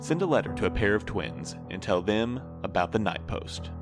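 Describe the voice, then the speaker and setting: A man's voice: fairly low pitch, very animated, normal speed. A man reading a scripted podcast outro as announcer. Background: plucked guitar music.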